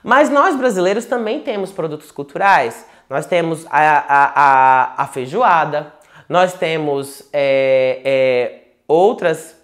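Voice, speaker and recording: A man's voice: a little high, takes it slowly, a bit bright. A man from Manaus with a Manaus Portuguese accent gives a casual, chatty online lecture as a tarot teacher. He talks at home, digresses often, restarts his sentences and keeps checking in with tag questions. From Manaus, Brazil. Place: home, indoors.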